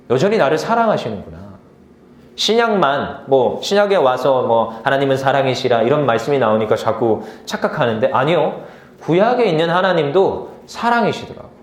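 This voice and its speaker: A man in his thirties preaching a casual sermon, telling stories and acting out the voices of the people in them. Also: mid-range voice. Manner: animated storytelling, acts out quoted voices. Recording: echoey room.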